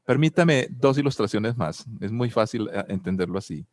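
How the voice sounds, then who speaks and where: A man's voice: mid-range voice, animated, normal speed, a little mellow, dry recording, clean studio sound. A man with a Colombian accent giving a reflective talk on family and spirituality, asking many rhetorical questions and telling personal anecdotes.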